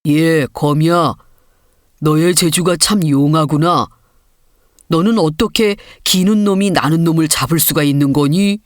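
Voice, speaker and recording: A woman's voice: low-pitched, measured pace, no echo, clean studio sound, voice pushed down. A woman voicing a proud, blustering ox in a storybook fable. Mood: humbled.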